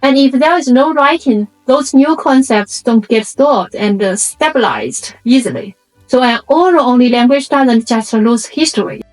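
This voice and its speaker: A woman with a fairly high voice and a Chinese accent, a native speaker of a Chinese dialect, narrates a reflective essay. She explains in measured short phrases, with music playing behind her. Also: animated, low-quality recording. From China. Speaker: video essay host.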